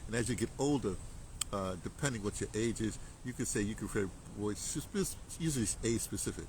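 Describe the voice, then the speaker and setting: A man's voice: on the low side, a little fast, a little mellow, a little hiss or hum, rough recording. A man in his seventies, talking in a rambling, casual monologue that is full of restarts and slang, chuckling now and then. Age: 70s. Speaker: commentator.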